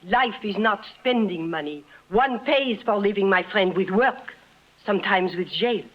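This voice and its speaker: A woman's voice: mid-range voice, animated, a little slow, lo-fi sound. An actress playing a weary, bitter woman caught up with a criminal gang, speaking reproachfully. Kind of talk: 1950s radio drama acting.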